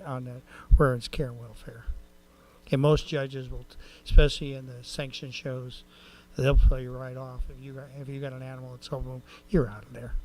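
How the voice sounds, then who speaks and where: A man's voice: mid-range voice, darkish tone, a little hiss or hum, rough recording. A man council member making rambling, folksy remarks at a council meeting, speaking into a desk microphone in a council chamber.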